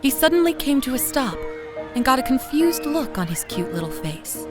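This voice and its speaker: In a scripted audio drama, an actress plays a loving, anxious young mother narrating her memories expressively and conversationally. Her voice sits high at a moderate pace, sounding fond and relieved, with faint music behind the narration.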